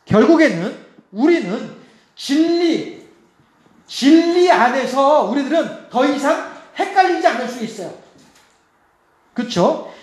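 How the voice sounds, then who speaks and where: A man's voice: very high-pitched, very animated, slow pace, long pauses, darkish tone. A man preaching a sermon as pastor, in a chatty way, laughing often and asking the congregation rhetorical questions. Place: church sanctuary. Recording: echoey church hall.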